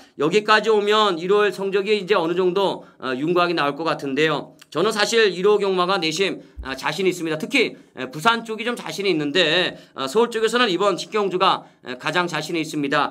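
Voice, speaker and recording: Pitched high, a man talks at a fairly quick pace. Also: ordinary pitch variation. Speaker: horse racing tipster. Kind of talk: solo racing tips broadcast. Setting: solo online broadcast. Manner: fast; frequent filler hesitations.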